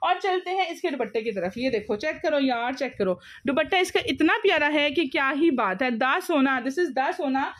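High-pitched Pakistani woman, overeager sales pitch. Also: expressive, normal speed, hardly any pauses, fairly bright tone. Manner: overeager, repetitive, exclamatory pitching. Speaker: live online clothing seller. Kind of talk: live teleshopping sales pitch.

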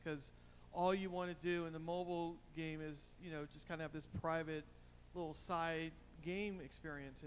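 A middle-aged man giving a conference presentation as an industry speaker, talking into a handheld microphone. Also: fairly high pitch. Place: medium conference room, indoors. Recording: reverberant conference room, clear background noise.

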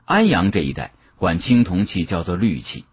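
A man with a husky voice narrating an audiobook story in a dramatic storytelling style. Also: low-pitched, wildly swooping pitch, normal speed, muffled recording.

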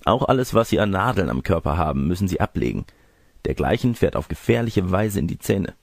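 Ein Mann spricht einen lüsternen, schwülstigen bösen Zauberer in einem Märchen, schmeichelnd und durchtrieben. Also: male voice, low-pitched, big pitch swings, brisk, vocal fry, breathy edge, no room sound, studio quality, exaggerated voice. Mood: mock polite. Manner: florid, gushing, sly. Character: lecherous, pompous male evil sorcerer seducer.

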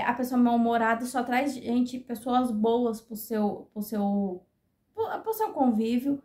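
A woman's voice: on the high side, dark tone, roomy sound. A Brazilian woman vlogging casually, giving chatty advice with lots of fillers and repeats. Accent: Brazilian Portuguese. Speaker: crochet vlogger. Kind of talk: casual heart-to-heart vlog.

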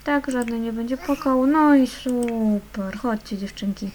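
A woman's voice: a little high, fairly even intonation, measured pace, darkish tone. A young woman hosting a gaming channel, chatting casually over her play and fondly coaxing the little characters along. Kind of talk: casual let's-play commentary.

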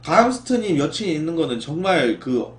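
A young man chatting casually on his live stream, reading messages and answering his viewers with quick complaints that turn exasperated. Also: on the high side, sing-song, roomy sound. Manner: talks back to chat, rising into exasperated outbursts.

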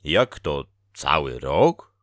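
A man voicing Maciej, a poor, lazy peasant in a folk tale, speaking gruffly and demandingly. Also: very deep voice, very animated, very slow, a bit bright, dry recording, clean studio sound, voice pushed down, heavily acted. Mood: puzzled.

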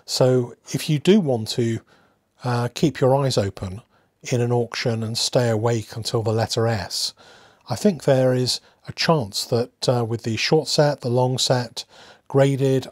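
A man hosting a hobby video in a casual, unscripted way, musing aloud with hesitant pauses. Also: mid-range voice, a little mellow, dry recording, studio quality. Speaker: host of a coin collecting channel.

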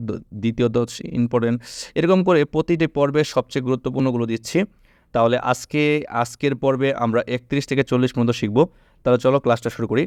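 Fast-talking man drilling spelling. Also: medium pitch, clean tone, no echo, clean studio sound. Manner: repetitive, drilling rules with quick questions to students. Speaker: teacher. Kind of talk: online spelling lesson.

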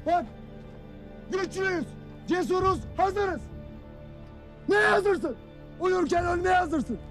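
A furious army commander, played by a man in an amateur film-scene reenactment, lays into his soldiers with bitter, cutting lectures. He barks his orders with harsh force. His voice sits very high. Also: expressive, slow pace, music in the background, heavily acted. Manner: harsh, bitter lecturing that swings into barked shouting.

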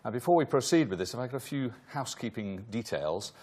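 A man's voice: mid-range voice, lively intonation, quick pace, darkish tone, husky. A man welcoming an audience to a lecture in a hall, rambling a little with fillers and self-corrections. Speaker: host introducing a lecture. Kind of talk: formal welcome and housekeeping.

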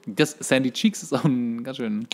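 A man's voice: medium pitch, normal speed, darkish tone. A man co-hosting a podcast, chatting casually and explaining bits of trivia. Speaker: podcast co-host.

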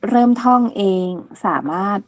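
A woman giving a patient counting lesson, repeating each word slowly and clearly and ending phrases politely. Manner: polite, ends phrases with soft particles. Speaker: language teacher. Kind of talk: slow step-by-step counting lesson.

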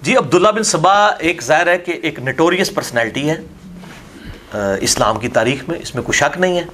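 A man with a high-pitched voice and a Pakistani Urdu accent gives a polemical question-and-answer lecture. He argues forcefully and scornfully, piling up points to knock down a rival's claims. He speaks as a scholar answering questions at an academy. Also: animated, normal speed, a little hiss or hum. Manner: emphatic, scornful, argumentative.

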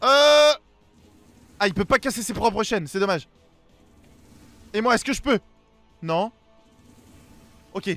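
A young man giving excited let's play commentary, exclaiming and talking to himself as he reacts. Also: high-pitched, slow, pauses often, no room sound, soft background music. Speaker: gaming video host.

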